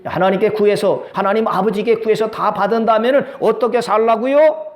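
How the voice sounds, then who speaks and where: A man's voice: high-pitched, fairly quick, reverberant. A middle-aged male pastor preaching a sermon, often asking the congregation questions and waiting for their answer. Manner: preaching with call-and-response questions.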